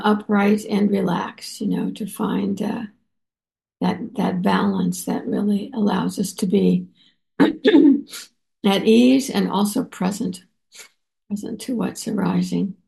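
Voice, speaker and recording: Woman, meditation teacher, guided meditation, very slow, halting with fillers, warm low tone. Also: steady tone, vocal fry, low-quality recording. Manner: unhurried, halting, with frequent pauses and fillers. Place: meditation center.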